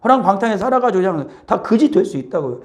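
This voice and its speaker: Male pastor, lively sermon delivery, a touch high-pitched, acts out dialogue. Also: fast. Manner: animated, acts out little dialogues between father and child. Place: church sanctuary.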